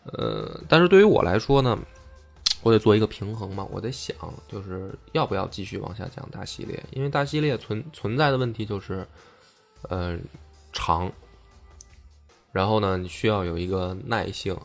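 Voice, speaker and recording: A man hosting a casual history podcast, explaining deliberately and often rephrasing himself. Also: fairly low pitch, expressive, gravelly, faint music behind. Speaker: podcast host.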